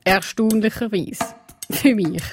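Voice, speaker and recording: A woman whose first language is Portuguese, narrating a radio feature in a lively storytelling manner. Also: mid-range voice, slow, music in the background. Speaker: radio reporter and presenter. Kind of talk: scripted narration with reportage.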